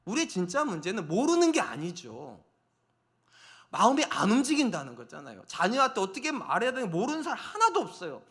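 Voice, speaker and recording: A man's voice: high voice, a little fast. A middle-aged male pastor preaching a sermon, talking straight to the congregation and acting out the people he quotes. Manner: animated preaching, acts out quoted voices, addresses congregation directly. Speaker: senior pastor.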